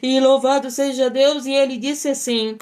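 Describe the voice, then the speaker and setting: A woman's voice: sits high, steady tone, normal speed, a little mellow. Fervent woman preaching. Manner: fervent, repetitive exhortations with frequent "praise God". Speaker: missionary preacher. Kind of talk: sermon.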